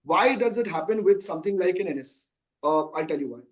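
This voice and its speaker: Indian guy exec on earnings call, really quick and high voice, emphatic, goes on at length. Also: expressive. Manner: emphatic, talks at length with rhetorical questions. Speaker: company chief executive. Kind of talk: earnings call question and answer.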